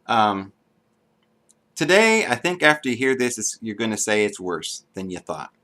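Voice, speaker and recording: A man's voice: lowish voice, very animated, normal speed, bright, forceful tone. A man giving an unscripted, earnest monologue to camera, with frequent ums and restarts. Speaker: video blogger.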